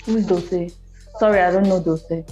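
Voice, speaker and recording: A woman's voice: fairly low pitch, fairly even intonation, moderate pace, dark tone, highs cut off, soft background music. A woman hosting a casual panel discussion, questioning and insistent in the way she talks. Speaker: podcast host.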